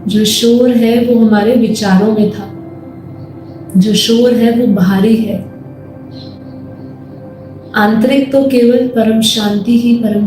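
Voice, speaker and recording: A woman with an Indian accent guides a meditation in a fairly high, mellow voice. She is calm and instructive as she teaches. Her words carry heavy echo over music. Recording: very echoey voice over faint music. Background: soft music.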